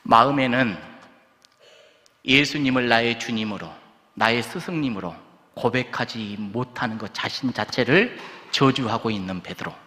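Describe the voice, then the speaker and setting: A pastor preaching a sermon, asking the congregation questions and dropping from loud stresses to hushed whispers. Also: male voice, mid-range voice, measured pace. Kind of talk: Sunday sermon. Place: church sanctuary. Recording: echoey church hall.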